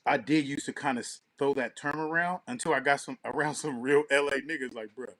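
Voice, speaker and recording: A man's voice: mid-range voice, fairly even intonation, fairly quick, fairly bright tone, low-quality recording. An American man co-hosting a podcast with casual, profane, slang-heavy commentary, punctuated by checking tag phrases. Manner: informal, profane, peppers talk with tag phrases. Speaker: podcast co-host.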